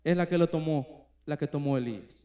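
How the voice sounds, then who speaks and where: A man preaching a sermon as a church elder, earnest, stretching key phrases slowly and sinking to a hush for emphasis. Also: fairly high pitch.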